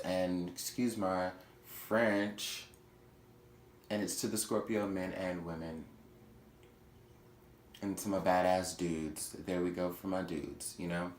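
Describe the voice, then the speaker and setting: A man with a very low voice talks through a tarot spread in a loose, chatty way. He stops now and then to correct himself or toss in a joke. The room is echoey, with a faint hiss behind him. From Houston, Texas. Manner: chatty, self-correcting, playful asides. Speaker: tarot reader. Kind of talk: casual tarot reading.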